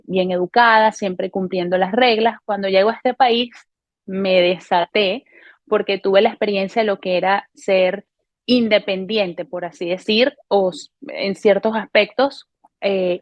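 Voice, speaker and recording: A woman's voice: mid-range voice, dry recording. Thirtysomething woman from venezuela telling her faith story to camera, earnest, lots of ums and restarts, dry slightly dull sound. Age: 30s. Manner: earnest, unhurried, with frequent hesitations and self-corrections. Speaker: testimony speaker. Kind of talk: personal faith testimony to camera. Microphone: camera recording.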